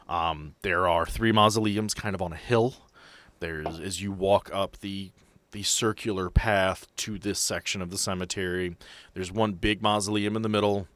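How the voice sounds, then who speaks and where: A man's voice: sits low, a bit bright, no room sound. A man acting as game master, describing and explaining a tabletop game scene in an improvised way.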